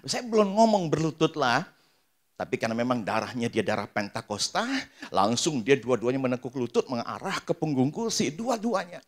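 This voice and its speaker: A man preaching as a pastor in a church service. He tells a story with lively dialogue, moving between hushed asides and loud bursts. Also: mid-range voice, normal speed. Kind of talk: storytelling sermon.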